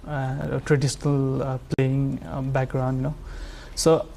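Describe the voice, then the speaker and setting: A man from Nepal, a sarangi player chatting as a guest, halting and full of fillers. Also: mid-range voice, monotone, creaky, mellow, a little hiss or hum. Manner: halting, many fillers like "uh" and "like", friendly. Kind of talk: casual interview chat.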